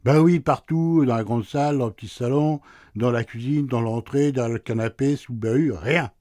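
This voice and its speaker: A man's voice: mid-range voice, moderate pace, darkish tone, no room sound, lightly acted. An actor playing a sleepy, teasing husband in a radio play, answering his wife with dry sarcasm. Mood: grumpy, teasing. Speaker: husband woken at night.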